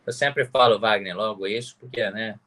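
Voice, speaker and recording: An Italian man from Pisa, Tuscany, introduces himself casually in an online interview, speaking a second language with an Italian accent. His lowish voice has a pushed, bright quality, a steady tone and a moderate pace.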